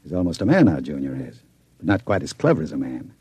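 An actor playing a cold, scheming gang boss in an old radio drama, with a smooth, sardonic menace. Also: male voice, very deep voice, very animated, fast talker, warm tone, no echo, exaggerated voice. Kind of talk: 1940s radio acting.

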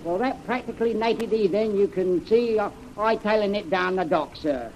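An actor playing a fussy, grumbling ship's bosun with a British accent in an old radio serial. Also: male voice, high-pitched, normal speed, a little mellow. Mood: grumbling, deferential. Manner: blustering, flustered, rambling. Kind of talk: 1930s radio serial acting. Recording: noisy old radio recording.

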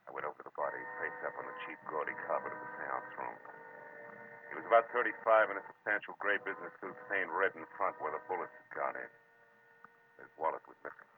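An actor playing a wry, hard-boiled private eye, narrating tersely and sardonically in a 1940s radio drama. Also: male voice, low voice. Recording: noisy, muffled old radio recording.

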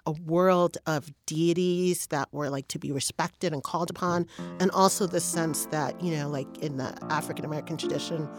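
A woman's voice: low voice, moderate pace, over music. A woman born in Panama and raised in northern England, a writer and editor chatting as a podcast guest and animatedly acting out relatives' voices. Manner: animated, acts out quoted relatives. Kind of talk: casual interview chat.

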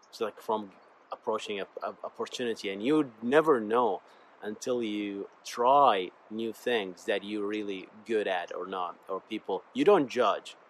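A man in his thirties from Bahrain, a native Arabic speaker with an Arabic accent, talking casually and in a rambling, informal way as a solo podcast host. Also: mid-range voice. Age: 30s. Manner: informal, rambling, addresses listeners as "guys". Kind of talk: casual solo talk, personal storytelling.

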